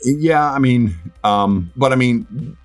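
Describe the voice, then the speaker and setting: A man talking casually as an interview guest, thinking aloud in short, halting phrases. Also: mid-range voice. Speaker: voice actor and director, interview guest. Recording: music behind the voice. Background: background music.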